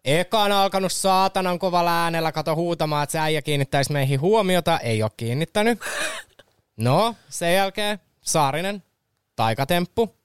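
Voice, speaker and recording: A young man from Finland, co-hosting a podcast, telling a story in a lively, swear-filled casual chat with lots of fillers. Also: fairly high pitch, smooth, dry recording, clean studio sound. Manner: animated, swearing, many fillers. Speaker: podcast co-host.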